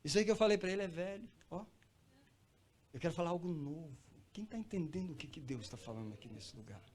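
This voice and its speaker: A pastor preaching in church, swinging from quiet talk to loud, high cries and calling listeners brother. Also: male voice, animated, fast talker, slightly rough. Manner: addresses listeners as brother, repeats phrases for emphasis. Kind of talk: sermon.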